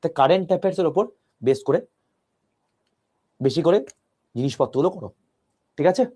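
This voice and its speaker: A man teaching an online physics class, talking softly into a close mic and explaining step by step with questions to his students. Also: fairly high pitch, lively intonation, fairly quick, husky.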